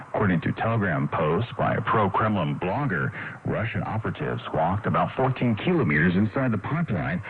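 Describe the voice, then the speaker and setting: A man with an American accent anchors a scripted radio news bulletin in a formal, measured announcer delivery. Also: fairly low pitch. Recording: noisy narrowband shortwave radio broadcast.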